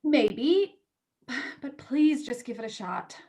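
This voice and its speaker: An eager young female magazine editor, as an actress plays her in a staged reading. Her voice sits on the high side. She teases and coaxes in natural, stammering bursts of dialogue. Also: animated, slow pace, mellow, heavily acted. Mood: pleading, relieved.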